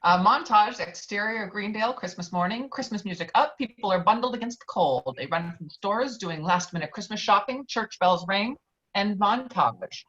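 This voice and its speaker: A woman's voice: mid-range voice, animated, normal speed, a bit bright. A woman reading stage directions as the narrator of a virtual table read. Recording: dull, lo-fi online call.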